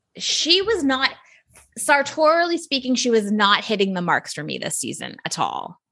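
Very wide pitch swings and big swings in loudness in a bright, sharp tone. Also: woman, fairly high pitch for a woman, moderate pace. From Miami. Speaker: podcast co-host. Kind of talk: casual chat, comedic podcast banter.

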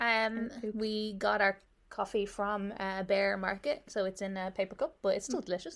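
In an Irish accent, a woman speaks at a medium pitch and a fairly quick pace. Her tone is animated, with ordinary pitch variation. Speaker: podcast co-host. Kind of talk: casual chat. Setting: in person, at work. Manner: animated, laughing.

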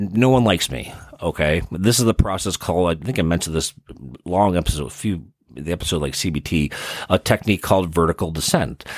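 On a very clean recording with a silent background and a dry, close sound with no echo, a man with a slight Midwestern US accent talks very fast in a very deep, low voice with vocal fry and lively intonation. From US Midwest. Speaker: neuropsychologist podcast host. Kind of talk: educational talk about psychology, solo episode. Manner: halting, many fillers.

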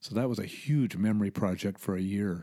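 This man has a fairly low pitch and a dark, mellow tone, with ordinary pitch variation at a moderate pace. The very clean recording has a silent background and a dry, close sound with no echo. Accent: American. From California, US. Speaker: ministry president. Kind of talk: interview.

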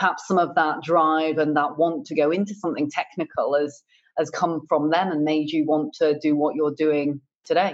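A woman with a very deep, low voice speaks at a moderate pace. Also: fairly even intonation. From Harrogate, northern England. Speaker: podcast host. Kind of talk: interview chat.

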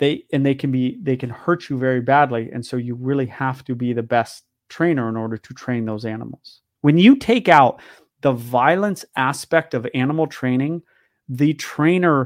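A man's plain, everyday voice with an American accent, medium pitch, ordinary pitch variation and a moderate pace, dry and close with no echo over a quiet background. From US Pacific Northwest (Oregon). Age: 40s. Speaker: dog trainer and podcast host. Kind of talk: casual chat.

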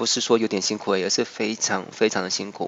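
Talking at a fairly quick pace with a Taiwanese accent, a man uses a fairly low pitch and ordinary pitch variation. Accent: Taiwanese Mandarin. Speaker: motivational speaker. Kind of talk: motivational monologue. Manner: warm, gentle.

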